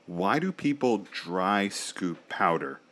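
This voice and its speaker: A man in his thirties co-hosting a podcast, chatting casually with crude, animated storytelling. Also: deep voice, slow pace. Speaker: podcast co-host.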